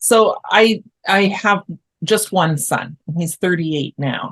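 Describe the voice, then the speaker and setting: Somewhat breathy, a woman speaks very slowly in a Canadian accent, the sound dry and close with no echo. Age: 60s. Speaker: children's author. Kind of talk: interview.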